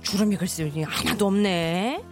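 A woman's voice: mid-range voice, animated, measured pace, faint music behind, lightly acted. A woman voicing a middle-aged housewife who complains, sighs and wails over aging. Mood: grumbling. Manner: sighing, complaining, wailing. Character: aging housewife, envious, whiny and self-pitying. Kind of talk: radio skit acting.

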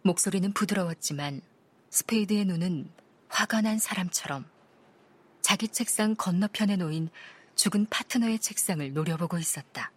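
A woman reads a detective novel aloud as an audiobook narrator, calm and even. Her voice is a little low and slightly husky. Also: moderate pace.

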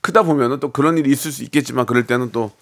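A man's voice: mid-range voice, racing. A middle-aged man hosting a casual radio chat, acting out family quotes. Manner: animated, acts out family quotes. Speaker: radio host.

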